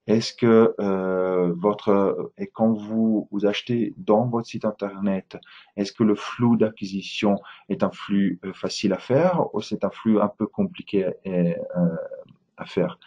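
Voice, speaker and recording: A man's voice: lowish voice, breathy edge, muffled recording. A man from Italy speaking French with an Italian accent, giving a webinar presentation, hesitant with many fillers and restarts.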